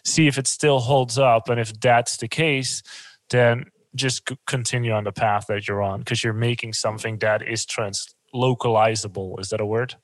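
A man hosting a casual conversation, talking quickly, asking follow-up questions and making joking asides. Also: medium pitch, fairly even intonation, dry recording.

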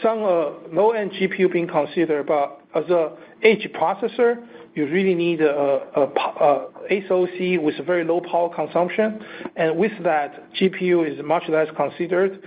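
Over a narrow, phone-like conference call line with faint noise, a company executive with a fairly high voice fields questions on an earnings call. He speaks haltingly and keeps repeating words as he goes.

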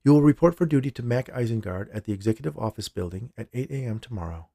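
A man's voice: mid-range voice, animated, fast, gravelly, mellow, no room sound. A man reads as a female company lawyer in a short story. She is officious and cool, speaking in formal, unbending phrases, with a very dry, close sound. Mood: businesslike. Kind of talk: audio fiction character dialogue.

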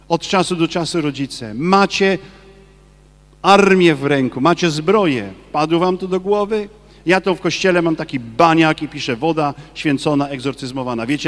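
A man, a Catholic priest, giving a lively sermon and firing rhetorical questions at his listeners. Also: on the high side, long reverb tail. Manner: acts out quoted people in his talk.

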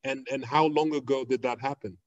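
A man hosting an interview podcast who asks his questions in a relaxed, friendly way, with fillers like "you know.". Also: mid-range voice, a little fast, no echo, dull audio. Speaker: podcast host.

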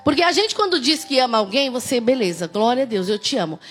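A woman's voice: high voice, big pitch swings, fast, fairly bright tone, faint music behind. A woman pastor with a Brazilian Portuguese accent, preaching a conversational sermon with emphatic, rising exclamations.

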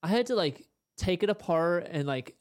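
A man's voice: high voice, lively intonation, normal speed, clear, resonant tone. A young man co-hosting a podcast, chatty and upbeat, who laughs easily while talking from a home desk setup. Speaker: podcast co-host. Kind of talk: casual chat. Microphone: desk microphone in a home studio setup.

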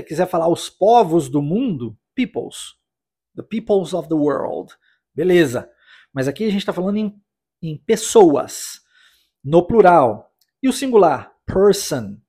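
Lively husky-voiced male English teacher. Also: high-pitched. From United States. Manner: animated, drills phrases slowly for repetition. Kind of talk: podcast pronunciation lesson.

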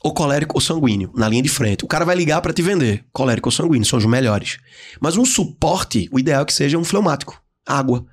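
A Brazilian man chats as a guest in a podcast studio, talking fast and loose in slang. His voice sits a bit high and husky, and he keeps breaking into sudden high-pitched impressions of the people he describes. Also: lively intonation. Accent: Brazilian Portuguese. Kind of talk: animated casual podcast talk.

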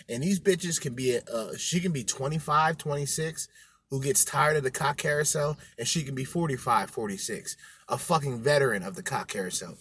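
A podcast co-host rants bluntly and emphatically, swearing heavily through crude commentary. His voice is a little high and a bit bright, with a breathy edge.

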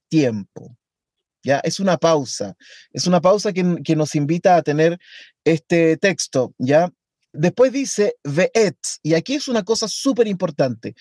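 A man with a light, high voice teaches a lesson on a Hebrew text. He talks slowly and deliberately. The sound is dry and close to the mic. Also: darkish tone, no room sound. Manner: slow, deliberate, reads Hebrew aloud.

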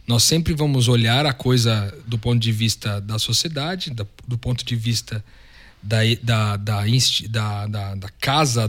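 Thoughtful mid-pitched man reflecting. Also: a bit bright. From São Paulo, Brazil. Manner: thoughtful, restarts while searching words. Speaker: podcast co-host. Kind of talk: reflective religious discussion.

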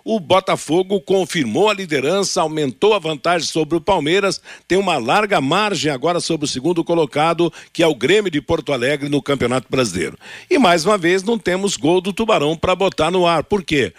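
A Brazilian man with a slightly husky voice, presenting headlines and talk as a sports radio host. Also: fairly high pitch, fairly quick, no echo.

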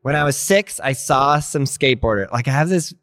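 A man's voice: mid-range voice, fairly quick, no echo, clean studio sound. A man in his late thirties from Montana, guest in a casual interview, telling stories with lots of fillers and acting out his past thoughts. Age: 30s. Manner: animated, many fillers, acts out past thoughts. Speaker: guest, skateboard instructor.

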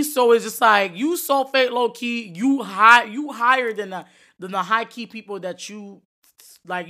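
Woman, podcast host, casual chatty monologue, slangy, bright tense voice, echoey room. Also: fairly low pitch. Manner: chatty and slangy, many fillers.

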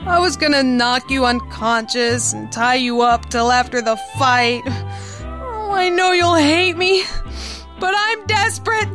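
A woman's voice: high-pitched, expressive, a little slow, fairly bright tone, soft background music. A woman playing a sweet, scheming young dance-hall girl in the melodramatic style of an old pulp radio drama. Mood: tearful, desperate.

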